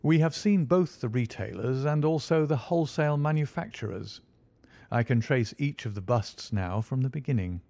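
A man reading aloud and voicing a calm, clever detective who speaks in a measured, confident way. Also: medium pitch, vocal fry, no echo. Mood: composed. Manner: measured, deliberate, composed.

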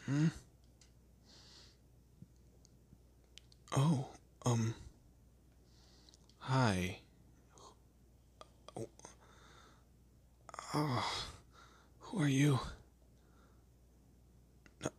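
Man acting a breathy, frightened vampire captive. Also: medium pitch, darkish tone, heavily acted. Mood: confused, wary. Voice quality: breathy, husky. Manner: halting, stammering, breathy whispers. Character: frightened, pleading young man kidnapped by a vampire. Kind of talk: amateur audio roleplay drama, one-sided dialogue.

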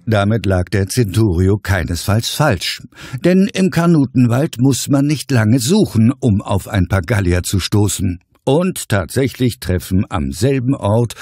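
A man narrating a scripted audio play as a measured, wry, theatrical storyteller. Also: lowish voice, warm tone, slightly rough, no echo, clean studio sound, heavily acted.

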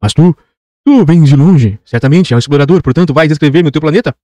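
A man's voice: a little high, quick pace, warm tone, no room sound, lightly acted. A man voicing a self-important old geographer who lectures pedantically. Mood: lecturing. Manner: lecturing, pompous.

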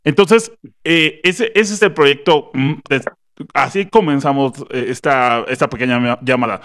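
A man's voice: mid-range voice, fairly bright tone, pitched below the performer's own voice, close to an everyday voice. A Mexican man in his thirties playing an earnest, hesitant reality-show producer in a prank call, stammering and repeating himself. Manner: halting, repetitive, stammering delivery. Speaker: prank caller. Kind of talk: improvised phone prank. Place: small indoor podcast studio. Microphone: close studio microphone.

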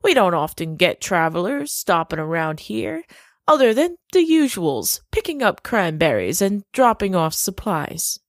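A genteel, secretive hostess. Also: female voice, medium pitch, very animated, dry recording, studio quality. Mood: gracious. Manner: gracious, slow and courteous. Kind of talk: audio drama acting.

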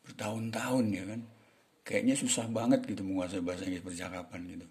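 A middle-aged man runs a casual video lesson as an English tutor, chatting loosely with plenty of fillers and polite apologies. His voice is low and warm, with a mellow, relaxed tone. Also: fast talker.

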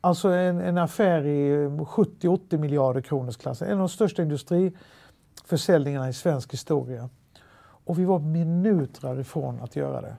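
A man's voice: fairly high pitch, creaky. A middle-aged man with a Halland dialect, telling a story in an interview with restarts and fillers. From Sweden. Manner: lively anecdotal telling with many restarts and fillers.

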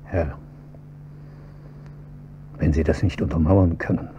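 A man's voice: a bass voice, steady tone, slow, mellow. An actor playing a haughty, wealthy businessman who speaks curtly and with indignation in a radio drama. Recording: dull, slightly noisy audio with hum.

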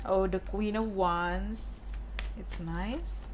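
A young woman with a hoarse voice giving a casual tarot reading, chatty and often saying "oke". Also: medium pitch, fairly even intonation, drawn-out words, slight background noise. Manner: chatty, mixes English phrases, says "oke" often. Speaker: tarot reader. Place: indoors at a wooden table.

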